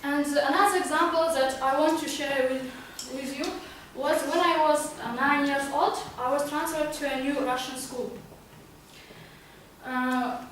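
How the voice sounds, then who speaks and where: High-voiced Kazakh-accented woman in a very echoey room. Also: steady tone, fairly bright tone. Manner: halting, with long searching hesitations. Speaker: club speaker. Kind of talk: prepared amateur motivational speech. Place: meeting room, recorded from a distance. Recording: very echoey room, distant mic, faint noise.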